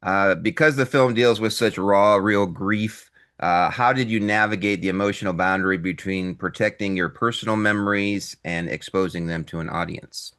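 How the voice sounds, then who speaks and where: Man, interview host, prepared questions, lots of uh, bright forceful tone, lowish pitch. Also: moderate pace. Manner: reads prepared questions, with frequent "uh".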